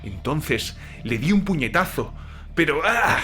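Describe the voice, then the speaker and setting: A man's voice: on the high side, sing-song, unhurried, sharp tone, soft background music, exaggerated voice. A man playing a young ex-soldier servant in a dramatized horror audiobook, frightened yet defensive and deferential to his master. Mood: indignant, disgusted. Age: young adult. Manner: deferential, repeatedly addressing his master as sir.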